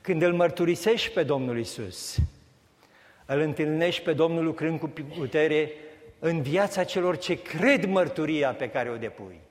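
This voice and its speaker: A man preaching a sermon, building emphatic repeated phrases and raising his voice at the peaks. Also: fairly high pitch. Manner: emphatic preaching that rises to raised repetitions. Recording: long hall reverb.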